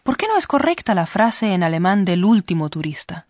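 A woman hosting a scripted language lesson, explaining clearly to listeners. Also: mid-range voice, very animated, fairly quick, darkish tone, no room sound. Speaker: host.

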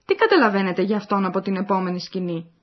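A woman's voice: medium pitch, animated. A woman reading the scripted narration of a language course, explaining and addressing the listeners. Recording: dull lo-fi recording.

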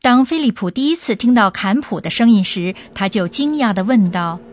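A woman's voice: mid-range voice, lively intonation, normal speed, a little hiss or hum. A woman hosting a radio language lesson, prompting the professor with questions and giving examples. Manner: inquisitive, prompts the expert with questions. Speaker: host.

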